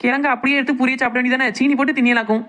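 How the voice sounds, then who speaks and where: A woman's voice: high-pitched, steady tone, racing, a bit bright. A woman voicing a cheeky, chatty young daughter-in-law in a cartoon comedy, teasing with mock innocence in a southern Tamil Nadu accent. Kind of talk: cartoon comedy drama dialogue.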